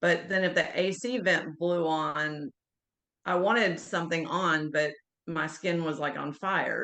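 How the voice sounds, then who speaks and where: Bright and sharp in tone, a woman's fairly low voice moves at a fairly slow pace with ordinary pitch variation. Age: 60s. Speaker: naturopathic doctor. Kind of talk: interview. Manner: casual, with many fillers.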